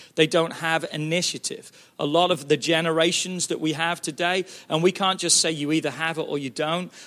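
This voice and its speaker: A man speaks at a fairly quick pace in a high, bright, sharp voice with flat, monotone intonation. The recording is very clean, with a silent background. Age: 40s. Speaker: pastor. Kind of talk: leadership workshop talk.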